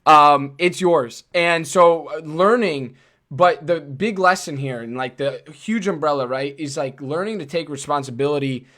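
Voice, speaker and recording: A man's voice: fairly high pitch, unhurried, fairly bright tone. Man, host, casual, supportive, lots of fillers. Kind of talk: live online interview.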